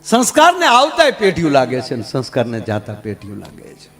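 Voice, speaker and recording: A man telling folk comedy stories on stage, swinging from hushed asides to loud declaiming. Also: medium pitch, wildly swooping pitch, a little fast, soft background music. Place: stage at a religious gathering.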